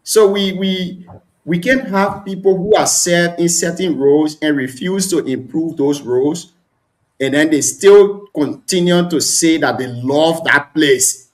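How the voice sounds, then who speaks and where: A man from Liberia, arguing politics as a panelist on a talk show, animated and argumentative, often repeating words as he starts a point. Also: fairly high pitch, unhurried.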